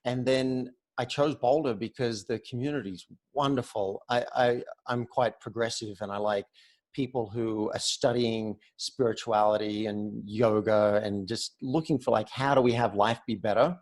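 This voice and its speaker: Guest, Australian man, 50s, energetic and conversational. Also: medium pitch, moderate pace. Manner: upbeat, chatty, restarts words often. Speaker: podcast guest. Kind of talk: casual interview chat.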